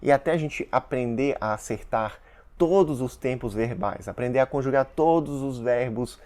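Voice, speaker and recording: A Russian man, a native speaker who teaches Russian and creates content, chats casually to the camera, explaining with examples and side remarks for viewers. His voice sits in the mid range with a darkish tone, delivered at a moderate pace.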